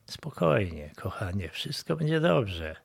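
A man's voice: medium pitch, lively intonation, a little slow. A man voicing a kind older woman on the phone who soothes and reassures. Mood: soothing.

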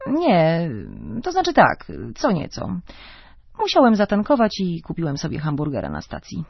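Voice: mid-range voice, huge pitch swings, brisk, dry recording. A reader voicing a tired, self-satisfied Italian husband who answers with curt, defensive retorts, heard in a slightly dull, dry recording. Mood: brusque.

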